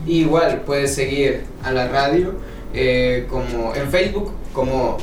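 Amid noticeable background noise and audible room echo, a man speaks very slowly at medium pitch with ordinary pitch variation. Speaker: podcast co-host and radio announcer. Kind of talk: casual podcast chat. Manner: animated.

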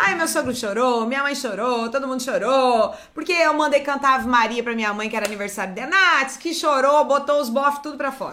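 With hardly any pauses, a woman talks at a fairly quick pace in a high, raised, projected voice with an animated tone and ordinary pitch variation. Her tone is bright and sharp, and audible room echo surrounds it. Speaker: podcast co-host, voice-over course owner. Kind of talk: casual chat.

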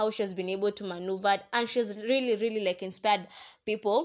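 A woman with a Kenyan accent, medium in pitch, with fairly even intonation. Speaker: podcast host. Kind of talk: podcast intro.

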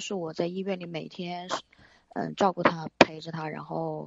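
A woman is speaking. Her pace is fairly slow. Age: 30s. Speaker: caller seeking relationship advice. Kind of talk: phone-in advice call. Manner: halting.

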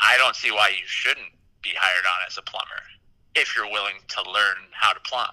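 A man talks at a fairly slow pace. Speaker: apprentice plumber. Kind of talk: casual chat.

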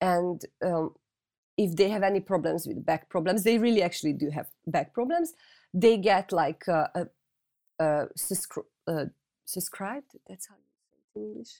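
A woman in a Hungarian accent, medium pitch and dark, mellow tone, lively intonation, big swings in loudness, moderate pace, dry, close sound with no echo. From Budapest, Hungary. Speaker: local tour guide. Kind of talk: casual interview. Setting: video call. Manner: halting, hesitant with restarts.

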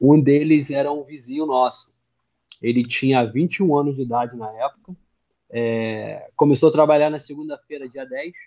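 With an ordinary speaking voice, a fairly high-pitched man talks at a moderate pace with fairly even intonation and big swings in loudness. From US Northeast, Connecticut (born in Rio de Janeiro). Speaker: military veteran, US Marine. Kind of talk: casual interview.

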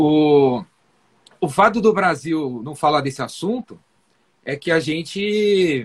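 The man has a fairly high voice. His pitch varies in an ordinary way. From Brazil, São Paulo city. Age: 50s. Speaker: sales speaker and consultant. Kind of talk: casual interview chat. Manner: animated.

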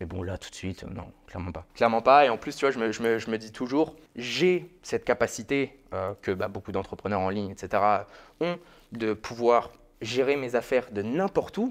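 Lively intonation and big swings in loudness mark a man's unremarkable speaking voice at medium pitch. He talks at a moderate pace in a very clean recording with a silent background. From England and France, born in London. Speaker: forex trader. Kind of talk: casual interview.

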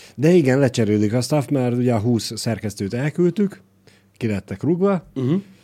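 A man speaks at a medium pitch with a dark, mellow tone. His intonation is lively and his pace moderate. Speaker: co-host. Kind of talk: casual chat. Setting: studio.

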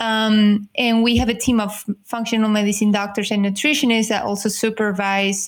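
A woman speaks with a Spanish accent at a moderate pace. Her intonation is flat and monotone. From Spain. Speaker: health tech startup founder. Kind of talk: interview.

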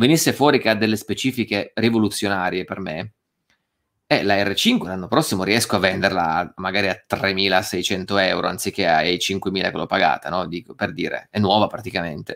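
A man with an unremarkable speaking voice and fairly low pitch talks at a moderate pace with ordinary pitch variation, in a very clean recording with a silent background. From Turin, Italy. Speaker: photographer and video creator. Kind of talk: casual interview. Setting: live stream.

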